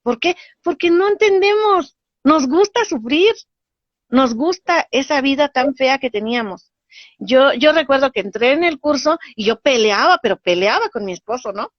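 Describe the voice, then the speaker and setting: Woman, spiritual teacher, lively, acts out voices, higher voice, dull dry recording. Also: moderate pace, dry recording. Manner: animated, acts out voices in dialogue. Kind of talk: teaching talk.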